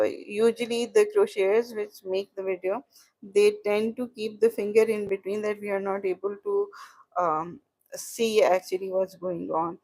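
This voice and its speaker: A woman with a South Asian accent giving a casual crochet tutorial, explaining in a halting way and repeating herself as she chats to viewers. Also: mid-range voice, a little mellow, poor audio. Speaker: crochet instructor and live streamer.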